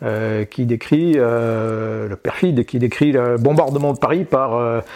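This man's voice sits at a medium pitch, with a dark, mellow tone and ordinary pitch variation. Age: 50s. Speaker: retired army colonel, military essayist. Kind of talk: interview. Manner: hesitant, many fillers and repetitions.

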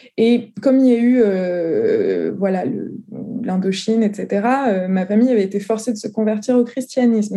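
An ordinary speaking voice from a woman, fairly high in pitch, with ordinary pitch variation. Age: 30s. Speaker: medium and shamanic practitioner. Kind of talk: interview.

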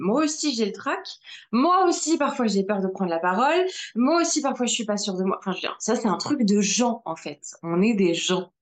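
Her pitch swings very widely and sits fairly high. The woman speaks at a moderate pace. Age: 30s. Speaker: coach and theatre teacher. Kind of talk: casual interview chat.

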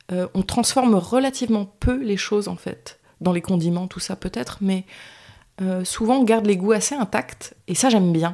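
A woman with a medium pitch and a dark, mellow tone talks at a moderate pace with ordinary pitch variation. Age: 40s. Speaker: freelance food journalist. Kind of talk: casual interview. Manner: hesitant, many fillers.

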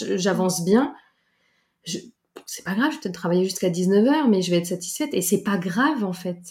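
Somewhat breathy and dark, mellow in tone, a woman at medium pitch talks at a moderate pace with lively intonation and long, frequent pauses. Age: 30s. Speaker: entrepreneur and business coach. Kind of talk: casual interview.

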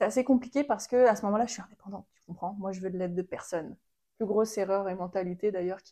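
A woman's dark, mellow voice at medium pitch, delivered at a very fast pace. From France. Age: 20s. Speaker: life coaching client. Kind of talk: podcast interview.

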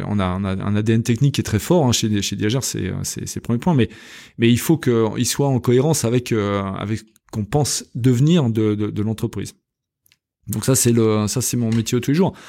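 At a moderate pace, a man talks with a dark, mellow tone, a medium pitch and ordinary pitch variation. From France, Paris-born, grew up in the Jura. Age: 50s. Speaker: company director. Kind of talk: podcast interview. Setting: on site at his company. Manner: hesitant, many fillers and repetitions.

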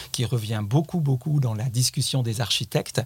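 A man speaks at a moderate pace and a medium pitch. His voice is somewhat breathy, with lively intonation. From Paris region, France. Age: 60s. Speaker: landscape designer and author. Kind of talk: casual radio chat. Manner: halting, repeats words.

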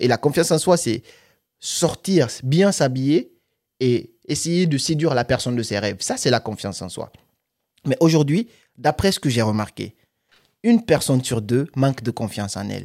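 A man's medium-pitched voice, lively in intonation and moderate in pace, broken by long, frequent pauses, dry and close with no echo. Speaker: life coach and content creator. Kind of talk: interview.

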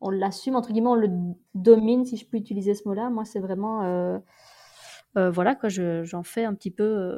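At a moderate pace, a woman with a medium pitch keeps her intonation fairly even, her loudness swinging widely and her speech broken by long, frequent pauses. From Belgium. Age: 30s. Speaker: journalist. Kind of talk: casual interview.

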